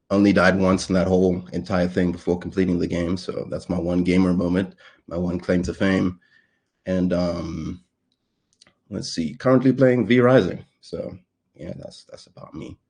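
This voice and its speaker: A man's voice: sits low, vocal fry, a little mellow, slightly rough. A young man from South Africa giving a casual, playful conference talk, joking at his own expense with lots of fillers. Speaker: conference speaker.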